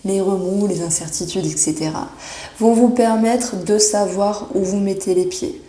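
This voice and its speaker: A woman giving a monthly horoscope tarot reading, reassuring and often pausing with fillers as she searches for words. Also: medium pitch, steady tone, warm tone. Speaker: tarot reader. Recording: echoey room.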